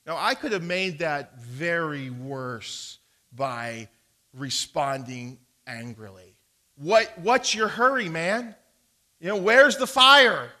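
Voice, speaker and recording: A pastor preaches a sermon in a high-leaning, bright, forceful voice with lively intonation. He tells a personal story in a folksy, deliberate way and reads out Bible verses, referring to them repeatedly.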